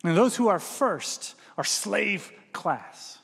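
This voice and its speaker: Animated pastor preaching in a reverberant hall. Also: male voice, high-pitched, slow pace, creaky, husky. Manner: animated, gestures broadly, often adds "right?". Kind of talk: sermon. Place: church hall, indoors, large room. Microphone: headset mic.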